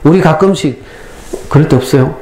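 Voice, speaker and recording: A middle-aged man with a Gyeongsang Korean accent, giving a lively parenting lecture to school parents and acting out lines as he tells stories. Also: on the high side, normal speed, slight background noise. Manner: lively storytelling, acts out lines. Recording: echoey hall, faint ambience.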